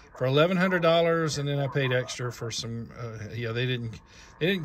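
With noticeable background noise but a dry sound with no echo, a man talks at a moderate pace with ordinary pitch variation. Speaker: amateur radio operator. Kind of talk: casual demo vlog chat. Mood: warm, nostalgic. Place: home room. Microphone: phone near.

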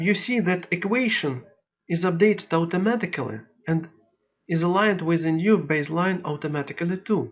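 Someone with a non-native accent speaks at a fairly quick pace. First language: not English. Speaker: software demonstrator. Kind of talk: tutorial. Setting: screen recording. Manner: halting, with hesitations and fillers.

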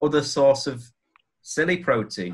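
A man's fairly high, bright, sharp voice in a British accent, with lively intonation over a quiet background. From England. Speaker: film podcast co-host. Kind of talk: casual chat. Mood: jokey, laughing. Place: home room. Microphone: video call.

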